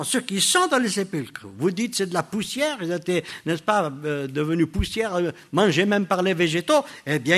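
Older man, preacher, sermon, high voice, very lively melody, loud bursts and low asides. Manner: animated, swings from loud exclamations to low asides; addresses the congregation with rhetorical questions.

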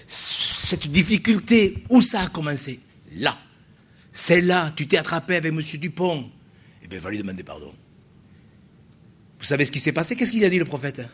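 A man's voice: a little high, breathy edge. A middle-aged man, a pastor preaching a sermon at a church service, emphatic and repetitive, full of rhetorical questions.

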